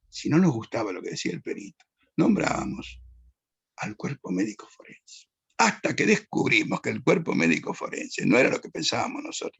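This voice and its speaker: A man's voice: mid-range voice, vocal fry, husky. An older man, a judge reminiscing in an interview, digressive and correcting himself as he goes. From Argentina. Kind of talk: anecdotal interview answer.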